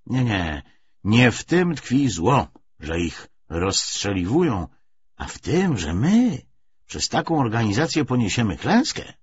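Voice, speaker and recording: Man reading as a wry, animated, husky army propagandist. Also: mid-range voice, a little slow, full character voice. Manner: bantering, opinionated. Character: wry, talkative male army propagandist, cynical. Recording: dull lo-fi recording.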